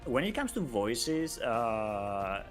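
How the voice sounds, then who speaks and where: A man's voice: medium pitch, sing-song, very slow, faint music behind. A man speaking English as his second language, a livestream guest chatting casually and hesitantly with many fillers while searching for words. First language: not English.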